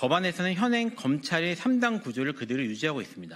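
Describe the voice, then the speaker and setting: Very wide pitch swings mark a man's speech on a very clean recording with a silent background. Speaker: advisory committee member. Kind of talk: press conference statement. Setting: press room at the National Assembly.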